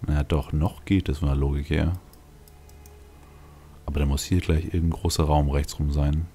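A man's voice: rumbling low, flat delivery, normal speed, dark tone, slight background noise. A man giving casual gameplay commentary, musing aloud to himself as he plays. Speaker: let's play host.

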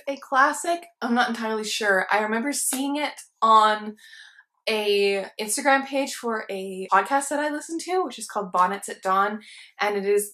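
A woman's voice: medium pitch, a bit bright. A woman in her twenties, a book vlogger talking casually to camera at home, chatty and laughing often between words. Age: 20s. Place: living room with armchairs and a plant.

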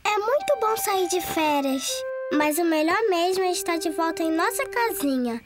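A woman's voice: extremely high pitch, expressive, normal speed, over music. A woman voicing a cheerful little girl pig in a cartoon dub, bubbly and giggly. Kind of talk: Brazilian Portuguese cartoon dub.

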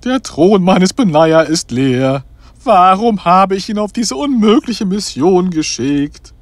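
Man playing a high-pitched, emotional fairy-tale king. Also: lively intonation, no room sound. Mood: sorrowful. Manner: dramatic, drawn-out delivery. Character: emotional, remorseful king longing for his friend. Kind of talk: animated fairy-tale voice acting.

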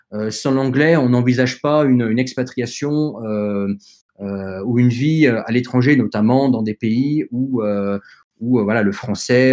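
A man's voice: medium pitch, a little mellow. A man whose first language is not French, speaking as a podcast guest and giving direct advice to young listeners in a hesitant way, with many fillers and restarts. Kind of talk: conversational advice in an interview.

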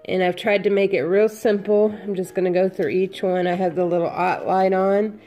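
A woman with a cold, sniffling a little, slowly listing her handmade headbands for sale from home. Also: medium pitch, little pitch movement, warm tone, muffled recording, soft background music. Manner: slow, unhurried item-by-item listing. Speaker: crafter selling handmade headbands. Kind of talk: casual product walkthrough.

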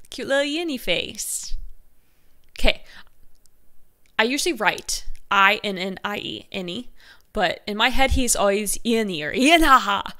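A woman's voice: medium pitch, sharp tone. A young woman hosting a casual reaction video, chatty and gushing, with a groggy morning voice.

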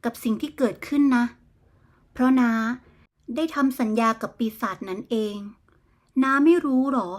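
A woman's voice: sits high, moderate pace, darkish tone, lightly acted. A woman voicing a polite but blunt young village man, a sorcerer's son, in a bedtime storybook reading.

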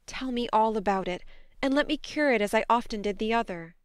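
A woman reading a storybook, voicing a blunt, spirited young woman who talks briskly. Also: on the high side, smooth, no room sound, clean studio sound, natural voice. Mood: tender. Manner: brisk, scolding, then tender.

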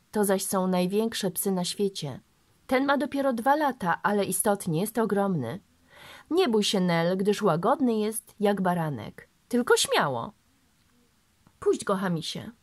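A woman voicing a calm, kindly father who speaks reassuringly and with good humor. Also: mid-range voice, a little slow, no room sound.

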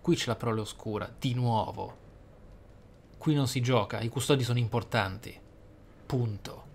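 A man's voice: medium pitch, normal speed, slight background noise. A man giving reflective, emphatic let's play commentary as a gaming host.

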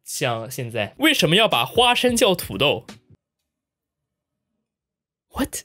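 Man from mainland China, casual talking-head vlog, lively swooping pitch, slightly high voice, faint music behind. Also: slow pace. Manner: animated, playful, with exaggerated shocked reactions. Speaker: video host.

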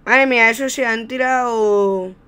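A person with an accent from Spain giving improvised, excitable play-by-play over gameplay in the manner of a wrestling commentator. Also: mid-range voice, a little slow, clean tone. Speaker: video game commentator, player.

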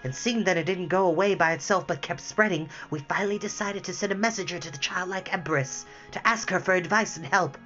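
Frightened wisp spirit done by a reader, high and breathless, dull lo-fi audiobook with soft music. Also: lightly acted. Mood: worried explaining. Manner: anxious, breathless, rushing. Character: frightened fluttering will-o'-the-wisp spirit, male.

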